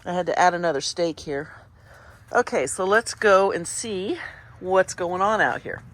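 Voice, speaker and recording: A woman's voice: lowish voice, a little slow, fairly bright tone. A woman with a congested, sniffly voice chatting casually as she walks through her garden in the morning, pointing things out in a meandering way. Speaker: garden vlogger. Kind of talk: casual walk-through commentary. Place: outdoor home garden in early morning.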